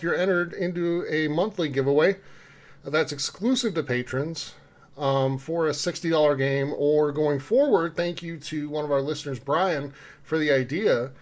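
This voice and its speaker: A man hosting a podcast in a casual, conversational way, speaking informally to co-hosts and listeners. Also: fairly high pitch. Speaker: podcast host. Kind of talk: casual podcast talk with community announcements.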